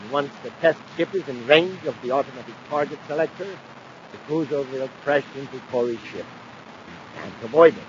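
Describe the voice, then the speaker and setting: An actor playing a vain, imperious aristocratic villain in a 1950s radio adventure, pompous, grandiose and theatrical. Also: male voice, medium pitch, brisk, lightly acted. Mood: imperious, confident. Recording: muffled, noisy 1950s radio recording.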